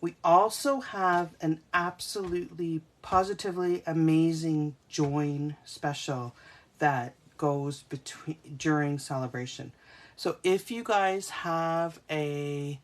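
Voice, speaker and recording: A woman hosting a live craft demonstration, talking casually with many fillers and restarts. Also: low voice. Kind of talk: casual live-stream demo.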